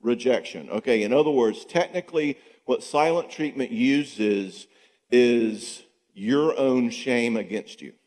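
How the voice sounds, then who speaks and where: An older man, a psychologist, giving an animated conference talk in a church, asking rhetorical questions and acting out quoted voices. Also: mid-range voice, a little slow. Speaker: psychologist speaking at a marriage conference. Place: church sanctuary. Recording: long church hall reverb.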